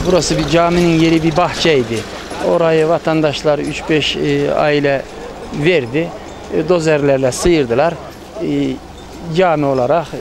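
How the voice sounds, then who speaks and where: Delivered at a fairly slow pace with long, frequent pauses, the speech keeps a very even loudness and ordinary pitch variation, with noticeable background noise and a dry sound free of echo. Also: man. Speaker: village video presenter. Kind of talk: village tour with street interviews. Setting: outdoors. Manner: hesitant, many fillers. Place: open country. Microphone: handheld.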